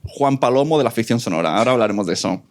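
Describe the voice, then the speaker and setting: A man's voice: mid-range voice, lively intonation, rapid-fire. A man with a Spanish accent from Spain hosts a live panel before an audience. His talk is informal and playful, with teasing asides as he introduces guests and puts questions to them. His voice sits in a medium register. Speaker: event host and panel moderator. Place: live event venue with audience.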